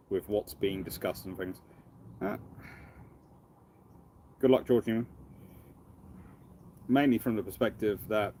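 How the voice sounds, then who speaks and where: A man hosting a casual live question-and-answer stream, thinking aloud in a halting, rambling way. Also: lowish voice, dark tone, a little hiss or hum. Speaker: livestream host, naval historian. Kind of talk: casual live Q&A with off-the-cuff commentary.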